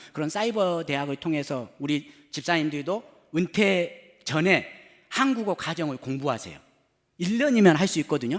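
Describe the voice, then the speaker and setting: On a very clean recording with a silent background, a man with a fairly high pitch talks at a moderate pace with very wide pitch swings. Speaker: missionary preacher. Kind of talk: sermon with slide presentation. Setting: church. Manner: casual, conversational.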